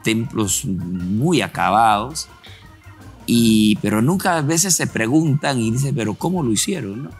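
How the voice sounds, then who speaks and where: A man's voice: medium pitch, lively intonation, measured pace, husky, faint music behind. A man hosting a Christian program, commenting on the testimony in a preacherly way and quoting scripture. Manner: preacherly, reflective, quotes scripture. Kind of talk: sermon-like interview commentary.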